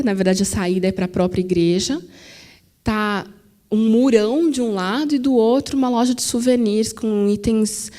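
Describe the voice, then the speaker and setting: São woman panelist, warm, mellow tone, conversational, tags questions, acts out quotes. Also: medium pitch. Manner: conversational, frequent tag questions, animated quoting. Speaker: panelist at a teachers' talk. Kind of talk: public talk answering questions. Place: museum auditorium.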